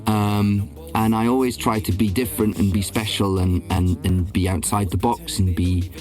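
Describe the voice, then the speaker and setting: Guest: man from Belgium, lowish voice, loose chatty delivery full of ums, faint music bed. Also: steady tone, normal speed, a little mellow. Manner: rambling, many ums and restarts. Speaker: guest, voice-over and casting director. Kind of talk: casual interview talk.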